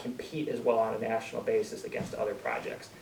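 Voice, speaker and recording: Speaking at a fairly quick pace, a man is heard through audible room echo and noticeable background noise. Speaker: airport planning consultant. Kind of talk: presentation at board meeting. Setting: public board meeting. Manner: frequent filler ums.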